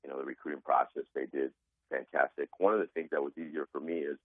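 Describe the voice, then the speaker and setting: A man with a raspy, extremely deep voice talks in a flat, even way. He speaks earnestly and unhurriedly, with lots of fillers. The sound is thin and tinny, like a phone call, and dry. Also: no echo. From Arizona. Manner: measured, earnest, many fillers. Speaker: guest, athletic director. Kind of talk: phone interview.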